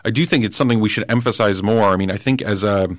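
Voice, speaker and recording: A man, a podcast guest, talking through political ideas in casual conversation, thoughtful and halting, with many restarts. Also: lowish voice, no echo, studio quality.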